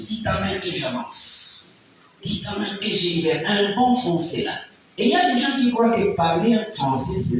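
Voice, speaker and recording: A man examining a thesis, asking probing questions and then giving animated, preachy advice. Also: high voice. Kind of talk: questioning and advising at a thesis defense. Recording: echoey hall, distant mic, faint noise.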